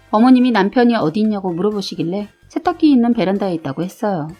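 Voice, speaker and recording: Woman reading a story over soft music. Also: mid-range voice. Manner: first-person storytelling. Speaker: story narrator. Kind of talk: reading a listener's story aloud.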